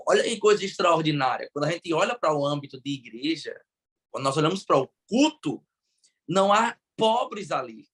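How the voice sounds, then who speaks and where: A man's voice: a little high, very animated, brisk, fairly bright tone, slightly rough. A man hosting a Bible study podcast discussion, speaking with enthusiastic, preacherly emphasis and a Brazilian Portuguese accent. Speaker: podcast host.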